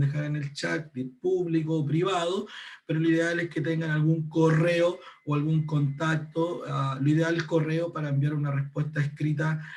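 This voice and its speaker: Speaking at a moderate pace with fairly even intonation, a man with a fairly high pitch is heard with audible room echo. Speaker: bible teacher. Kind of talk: online workshop lecture. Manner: many fillers and repetitions.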